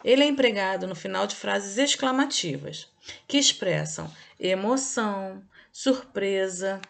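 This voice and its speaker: A woman's voice: mid-range voice, lively intonation, creaky. A woman teaching a recorded review lesson to children. She talks in a didactic way, stretches key words and often checks in with short "okay?" tags. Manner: didactic, drawn-out emphasis, checks in with "ok?" and "tá?".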